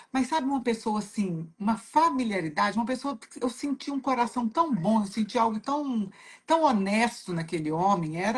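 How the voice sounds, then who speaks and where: Uma mulher com sotaque brasileiro conta uma história pessoal de forma sentida, repetindo palavras para dar ênfase. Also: female voice, medium pitch, breathy edge. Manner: heartfelt storytelling, repeats words for emphasis. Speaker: trainer at a coaching company. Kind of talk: casual reflective talk.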